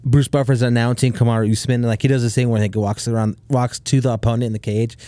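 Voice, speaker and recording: A relaxed young man chatting loosely on a podcast, leaning on filler words as he tells a story. His voice sits in a middle register and sounds dry and close to the mic. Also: mid-range voice, fast, no echo. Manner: laid-back, heavy use of "like" and "dude". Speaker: podcast co-host. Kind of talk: casual chat.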